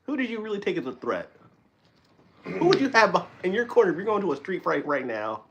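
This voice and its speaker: A man hosting a live stream in casual chat, animated and rambling, often correcting himself and laughing. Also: high-pitched, a little fast, dull audio, a little hiss or hum.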